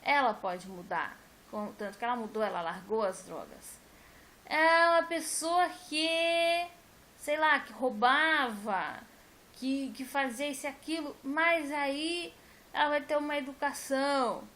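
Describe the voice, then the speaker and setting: A woman with a high voice talks straight to camera in a casual vlog. Her tone is bright and clear, and she presses every point with emphatic repetition. She speaks as a teacher talking to her viewers. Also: unhurried. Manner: emphatic, addresses viewers directly, repeats points.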